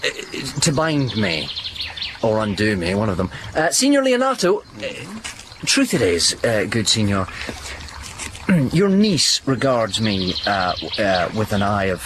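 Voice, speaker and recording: A bashful young nobleman, played by a man in a stage comedy, stammering with hesitant fillers. His pitch swings widely, and a clear hiss sits behind him. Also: big pitch swings, slow. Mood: flustered. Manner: stammering, hesitant, with nervous laughs.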